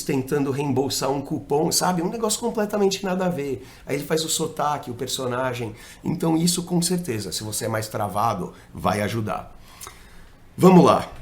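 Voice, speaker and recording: A man, talking on a casual podcast. His pitch jumps up and down as he explains, and he uses lots of slang and piles up example after example. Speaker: podcast co-host and dating coach.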